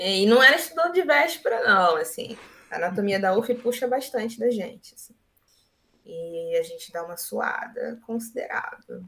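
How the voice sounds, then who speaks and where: Her fairly high voice swings very widely in pitch and greatly in loudness as this woman talks at a moderate pace. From Brazil, Niterói (Rio de Janeiro state). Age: 20s. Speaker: medical student. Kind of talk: casual interview.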